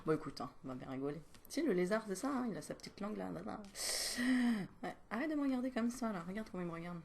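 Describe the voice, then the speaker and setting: A woman's voice: mid-range voice, expressive, quick pace, creaky, a little mellow, slight background noise. Giggly woman doing an animal card reading, chatty, teases the viewer and laughs at herself. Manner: giggly, playful, self-mocking asides; teasing, talks straight to the viewer.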